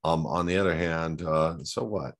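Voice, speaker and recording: Casting note: male host, extremely low voice, relaxed off-the-cuff advice, lots of ums and restarts. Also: normal speed. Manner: loose and conversational, many fillers and restarts. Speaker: host answering a viewer question. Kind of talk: casual advice talk, reading a question aloud then answering.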